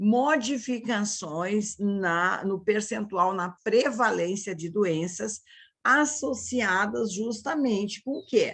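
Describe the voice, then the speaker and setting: Against a quiet background, a woman talks very slowly at a medium pitch with lively intonation. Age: 60s. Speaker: university professor. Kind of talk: lecture. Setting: recorded online video lesson. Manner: halting, with many fillers.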